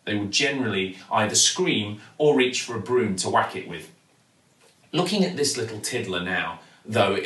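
A British man in his forties reading a children's bedtime story expressively, with theatrical pauses and emphasis. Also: on the low side, a bit bright. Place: living room at home, indoors. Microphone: camera or phone a few feet away. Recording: roomy, mic at some distance.

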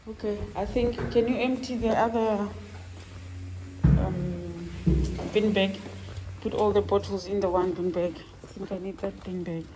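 A woman's voice: medium pitch, steady tone, measured pace, over music, low-quality recording. A woman vlogger casually thinking aloud while filming a walkthrough of an empty house on her phone. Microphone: handheld phone camera.

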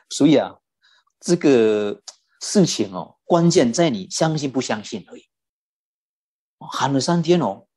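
A Buddhist teacher giving a dharma talk and telling a story in an animated way, stretching out particles like "oh" and "ah". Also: medium pitch, takes it slowly, pauses often, husky.

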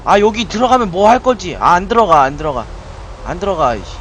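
A man's voice: high-pitched, very animated, brisk, fairly bright tone, slight background noise. A man giving jumpy, frightened let's-play commentary as he streams a game, pleading and muttering curses under his breath.

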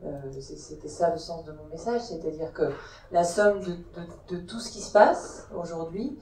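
A woman's voice: lowish voice, moderate pace, a little mellow, slight background noise. A woman panelist at a round-table discussion, speaking hesitantly with many restarts into a handheld mic. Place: large conference hall. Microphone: handheld mic, filmed from far. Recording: echoey hall from far off.

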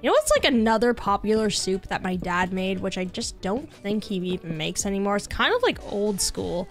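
Young woman game streamer, animated and talkative, voice a bit worn, light music underneath. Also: on the high side. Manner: bubbly, chatty with viewers, excited outbursts. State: losing her voice. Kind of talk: casual gaming livestream chat. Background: soft background music.

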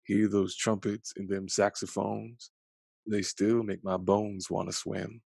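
Man as a gravelly, gentle old grandpa. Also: fairly low pitch, flat delivery, no room sound, clean studio sound, full character voice. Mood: fond, nostalgic. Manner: folksy, slow, humming "mm-hmm". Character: gentle, loving old grandfather with folksy wisdom.

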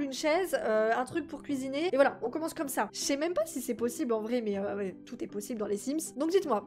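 A young woman chatting excitedly to her viewers while playing a life-sim game, reacting out loud to what happens. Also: high voice. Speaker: gaming YouTuber. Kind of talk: casual let's-play commentary.

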